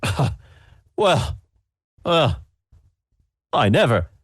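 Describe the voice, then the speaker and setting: A man's voice: very animated, very slow, a little hiss or hum, exaggerated voice. Man doing a huffy, snooty old judge. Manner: prissy, huffy and high-pitched. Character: snooty grumpy older male pie judge.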